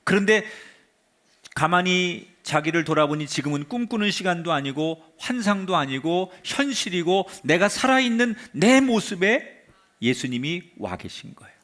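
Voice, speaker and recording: A man, a pastor, preaching a sermon and retelling a story with drama, his voice sinking to a hush at the end of phrases. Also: high-pitched, animated, normal speed. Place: church sanctuary.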